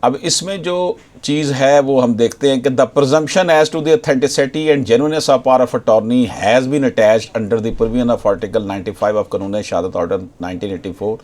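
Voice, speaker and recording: A man with a Pakistani accent giving a legal lecture as an advocate, deliberately reading out passages and then explaining them. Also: medium pitch, darkish tone. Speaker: advocate explaining case law.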